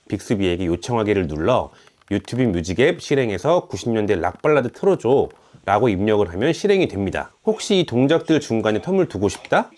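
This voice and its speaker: A man giving a brisk, chatty smartphone tutorial as a voice-over. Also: fairly low pitch, a little mellow. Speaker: tech YouTuber.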